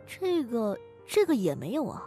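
High, animated young wife, acted by a woman. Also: faint music behind. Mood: denying. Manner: earnest, quick to protest. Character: anxious, indignant young wife, a clinic patient.

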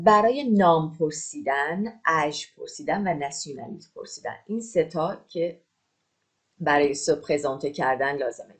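A woman teaching a beginner French lesson, explaining quickly in Persian and repeating French words slowly and clearly. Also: sits low.

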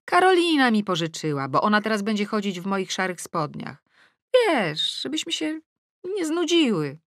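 A woman's voice: mid-range voice, very animated, normal speed, fairly bright tone, no room sound, studio quality, voice pushed up. A woman voicing an impatient, dismissive seventeen-year-old daughter in an audiobook novel, with a casual manner. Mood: casual, disappointed.

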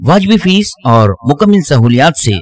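Lively male advert announcer. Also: on the high side, moderate pace. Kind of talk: scripted hospital advertisement narration in formal Urdu.

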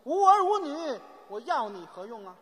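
A man's voice: high voice, sing-song. A man doing a pompous old squire. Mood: pompous scolding. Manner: drawn-out, old-fashioned stage declaiming. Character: pompous old male country squire, scolding. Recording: hall reverb from live theater.

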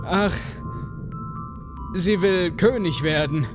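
A man's voice: high-pitched, takes it slowly, music in the background, pitched above the performer's own voice. A man playing a timid old fisherman in a radio play, pleading and hesitant. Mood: calling. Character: timid, meek old fisherman, anxious to please.

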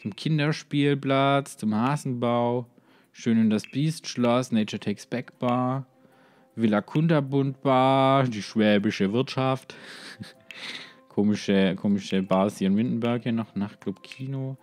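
A man's voice: medium pitch, takes it slowly, darkish tone, dry recording. Chatty man commenting on a life-sim game. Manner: chatty, rambling, talks to game characters; constant filler tags like "hier" and "ne". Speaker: let's player. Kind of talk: let's play commentary.

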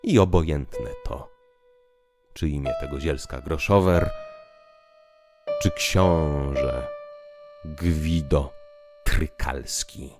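A man narrating literary prose in a theatrical, declamatory way, moving between hushed and emphatic delivery. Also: rumbling low, very slow, long pauses. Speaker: audiobook narrator. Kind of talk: dramatic literary narration with piano music. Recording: piano music behind the voice. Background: piano music.

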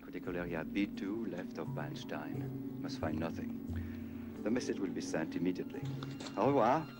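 Low-voiced, cool village spy played by an actor. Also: male voice, normal speed, over loud music, natural voice. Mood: brisk. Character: firm, cool village baker working as secret spy. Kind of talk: mid-century war film acting.

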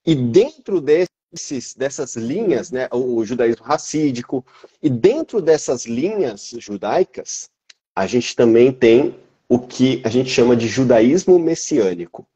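A man in his thirties from Brazil, a teacher speaking as an interview guest on a video call through an earphone headset, calm and explanatory. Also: medium pitch, slow, husky. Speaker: biblical Hebrew teacher, guest.

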